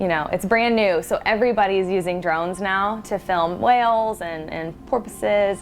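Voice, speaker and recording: A woman speaks with an Oklahoma accent and ordinary pitch variation over music in the background. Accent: American, Oklahoma. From Oklahoma, US. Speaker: marine biology researcher. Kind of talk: interview explanation. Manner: casual with many fillers.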